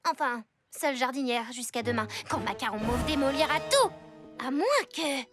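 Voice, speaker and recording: A woman voicing a wry, gloomy young girl gardener in an animated cartoon. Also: sits high, moderate pace, close to an everyday voice. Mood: glum. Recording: music underneath.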